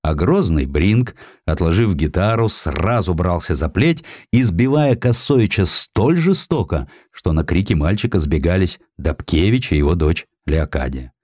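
A man's voice: low-pitched, lively intonation, a little slow, hardly any pauses, a little mellow, no echo, clean studio sound. A man narrating a historical sketch as an audiobook, expressively, in a theatrical, wry storyteller's manner.

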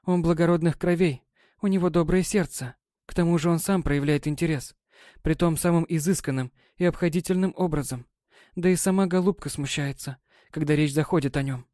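A man voicing a gentle, loving captain's wife. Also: a little high, fairly even intonation, fairly quick, no echo, clean studio sound, pitched above the performer's own voice, lightly acted. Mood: tender. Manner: soft, tender and coaxing. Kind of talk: audiobook character voice.

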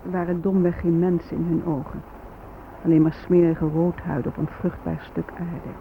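A performer in a radio drama voicing a grieving, bitter Native American in solemn, measured, poetic recitation. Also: medium pitch, level tone, vocal fry, close to an everyday voice. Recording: muffled narrowband old radio recording, faint noise.

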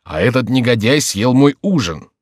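A man voicing a loud, capricious and whiny king in an audiobook. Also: mid-range voice, lively intonation, moderate pace, no echo, studio quality, natural voice. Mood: plaintive. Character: petulant capricious adult male king. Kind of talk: audiobook character voice.

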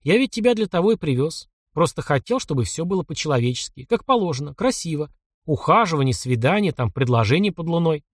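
Exasperated young officer, read by a man, grumbling and weary, with a lively rise and fall in his voice. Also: a little high, fast, no echo, studio quality, pitched above the performer's own voice. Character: young male officer, exasperated reluctant grandson.

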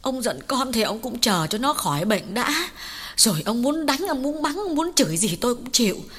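A man voicing an anxious older mother pleading with her husband in a high falsetto. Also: sing-song, moderate pace, a bit bright, exaggerated voice. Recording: long hall reverb, faint music.

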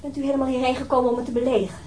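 An actress playing a defensive, evasive waitress in a Dutch radio drama, halting and guarded. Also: female voice, sits high, flat delivery, warm tone, natural voice. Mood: indignant, anxious. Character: defensive, evasive young waitress hiding something. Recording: distant from mic, noisy room ambience.

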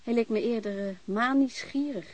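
An actress playing a blunt, warm-hearted, talkative landlady in a naturalistic radio drama, informal and frank. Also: fairly high pitch, moderate pace, no echo, natural voice. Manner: informal, chatty, frank, mild swearing.

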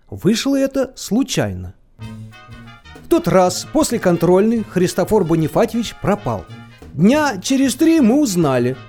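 Young student storyteller, very animated, mellow tone, expressive audio play narration. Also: male voice, sits high. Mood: wry, animated. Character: excitable young male student narrating a humorous sea tale.

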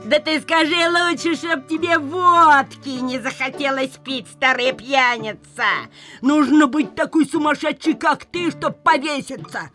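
A woman's voice: sits high, fairly even intonation, unhurried, pushed and bright, faint music behind. An actress playing a spiteful, mocking village weaver woman with a biting, taunting manner in an audio play.

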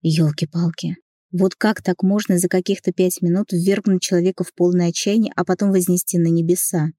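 A woman's voice: lowish voice, fairly even intonation, a little fast, mellow, no echo, clean studio sound. Woman reading a romance audiobook. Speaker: audiobook narrator. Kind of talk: first-person novel narration.

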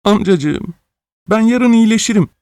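A man voicing a tearful, injured orphan apprentice boy who pleads in a high, thin voice. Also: fairly quick, darkish tone, smooth, no echo, clean studio sound, natural voice. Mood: pleading. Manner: pleading, whiny, high-pitched.

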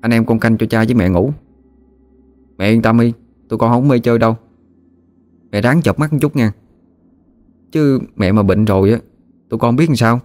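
A man voicing an earnest young boy gently coaxing his tired mother to rest. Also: mid-range voice, moderate pace, pauses often, voice pushed up, close to an everyday voice. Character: young village boy, dutiful caring son.

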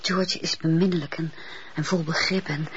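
An actress playing a tender, earnest, fearful wife in a radio play, pleading in a halting, breathy way. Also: female voice, sits low, steady tone, natural voice. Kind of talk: Dutch radio play acting. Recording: dull, noisy old radio play tape.

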